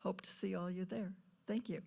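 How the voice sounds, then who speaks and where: Gravelly-voiced woman, casual announcer. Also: mid-range voice, fairly even intonation, normal speed, a little mellow. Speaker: public commenter announcing a community event.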